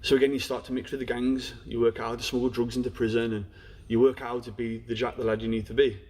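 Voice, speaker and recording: Fast-talking Black Country man. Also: mid-range voice, level tone, darkish tone, a little hiss or hum. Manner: frank, storytelling, peppered with "you know". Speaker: interview guest. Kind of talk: candid personal story in a podcast interview.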